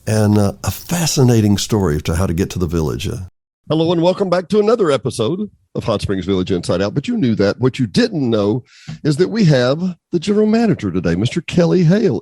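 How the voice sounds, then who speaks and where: A male radio host with a mellow, warm tone. His pitch rises and falls a lot as he talks in a loose, conversational way between songs and interviews. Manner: lively, conversational, reflective. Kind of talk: radio show hosting and interviewing.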